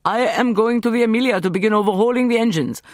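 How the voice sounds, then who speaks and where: A man voicing a steady, capable ship's captain with a calm, determined manner. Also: high voice, fast, no room sound, clean studio sound, pitched above the performer's own voice, natural voice.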